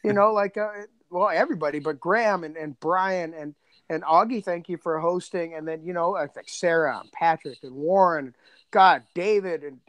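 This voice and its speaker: Male podcast co-creator, high voice, loose and rambling conversational delivery, very dry sound. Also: clear, resonant tone, no echo. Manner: rambling, repeats phrases. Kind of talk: casual chat.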